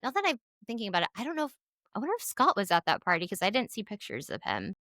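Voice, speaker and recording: Bright, candid woman in casual chat. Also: medium pitch, wildly swooping pitch, very fast, no room sound, clean studio sound. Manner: gossipy, candid.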